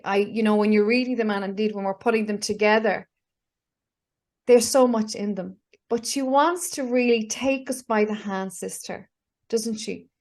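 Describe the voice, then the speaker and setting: A woman, hosting a casual online interview with enthusiasm, full of fillers and restarts. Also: medium pitch. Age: 50s. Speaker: host. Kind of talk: casual video-call interview.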